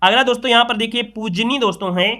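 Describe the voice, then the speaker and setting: A man's voice: very high voice, quick pace, bright, forceful tone. A man teaching correct spelling to exam students, repeating each word and calling his viewers friends. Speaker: exam tutor.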